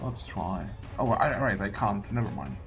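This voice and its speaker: Animated man commentating over game music. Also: on the low side, normal speed. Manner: thinks aloud, muttering questions to himself. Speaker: gaming video host. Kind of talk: casual gameplay commentary. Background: video game music.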